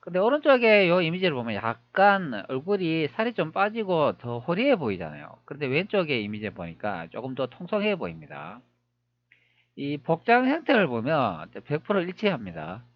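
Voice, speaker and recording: A man's voice: a little high, sing-song, normal speed, lo-fi sound. A man talking viewers through old images on screen, wondering aloud with many rhetorical questions. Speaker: history video creator. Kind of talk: screen-recorded commentary.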